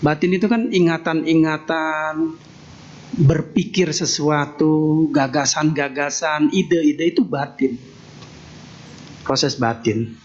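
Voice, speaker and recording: A man's voice: a little high, steady tone, slow, long pauses. A man giving a Buddhist temple sermon in a folksy, joking way, tagging nearly every phrase with a questioning "ya". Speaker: Buddhist monk giving a Dharma talk. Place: temple hall. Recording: dull lo-fi sound with faint noise.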